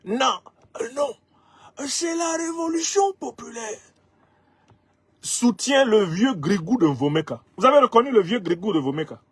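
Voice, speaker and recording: A man in his fifties from Cameroon whose first language is Bassa, emphatically commenting on viewers' social media comments. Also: expressive, measured pace, breathy edge, no echo. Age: 50s. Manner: emphatic, rhetorical, laughs at his own jokes.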